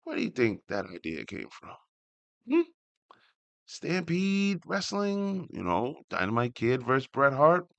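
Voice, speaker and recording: A man hosting a casual read-along, reading an article aloud and breaking in with animated asides of his own. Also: a little high, unhurried, vocal fry, no echo. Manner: animated asides, interrupts himself while reading. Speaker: host reading a wrestling article aloud with commentary.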